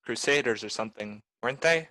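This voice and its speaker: A man's voice: medium pitch, brisk, sharp tone, dry recording, close to an everyday voice. An actor playing a cynical, wisecracking private detective in a 1940s noir radio play, talking in clipped, sardonic tough-guy lines. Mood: cool, businesslike.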